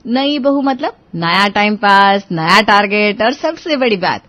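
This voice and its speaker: Animated woman storyteller. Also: mid-range voice, unhurried. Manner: animated, expressive. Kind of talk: scripted narration.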